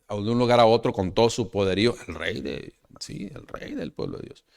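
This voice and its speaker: Man, pastor, sermon, rhetorical questions, loud then hushed delivery, mid-pitched voice. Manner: addresses the congregation as brothers and asks rhetorical questions; swings between loud emphatic lines and quiet trailing asides.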